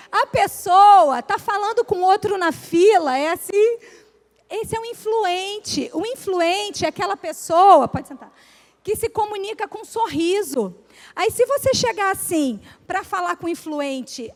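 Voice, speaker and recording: A woman with a Brazilian Portuguese accent gives a lively motivational business talk to a live audience. She asks the listeners questions and acts out everyday examples. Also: extremely high pitch. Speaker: speaker at a business breakfast talk. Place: event room with audience. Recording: live hall with long reverb.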